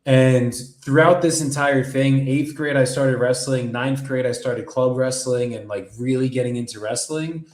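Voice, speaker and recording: A man's voice: medium pitch, normal speed, hardly any pauses, darkish tone. A young man telling his life story in a casual, rambling way, full of swearing and fillers. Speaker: podcast host. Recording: echoey room.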